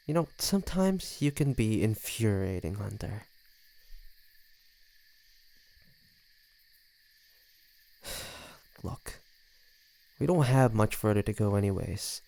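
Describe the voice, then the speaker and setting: A suave, predatory male vampire, acted by a man for an audio drama. His voice sits low with a gravelly creak, and he takes his time over every sardonic, flirtatious line. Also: expressive, slow, pauses often, dark tone, heavily acted. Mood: exasperated, sardonic. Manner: sardonic, flirtatious, drawling with sighs and chuckles. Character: teasing, smug century-old male vampire, suave and predatory. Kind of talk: roleplay audio drama, intimate one-sided dialogue.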